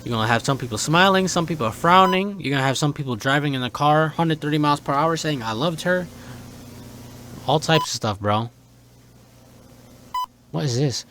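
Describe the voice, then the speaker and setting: A man's voice: fairly high pitch, normal speed, long pauses, bright, forceful tone, a little hiss or hum. A man giving casual, slangy reaction commentary as a video host, sounding incredulous and partly reading text aloud. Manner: slangy, incredulous, often addressing viewer as bro.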